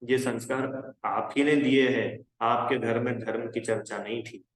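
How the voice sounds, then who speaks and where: A man's voice: medium pitch, steady tone, a little slow, reverberant, poor audio. A man teaching a casual religion class to young people, talking conversationally, urging them on and often checking whether they follow. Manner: conversational and exhorting, asks the class checking questions. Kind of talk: casual spoken lesson to a youth class.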